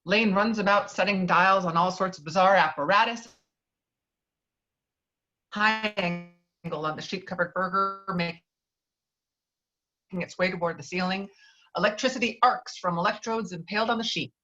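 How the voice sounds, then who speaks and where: A woman with a bright, forceful, mid-range voice reads stage directions from a screenplay at a casual table read. She speaks at normal speed with long pauses and now and then stumbles and corrects herself. The audio is dull, lo-fi online call sound.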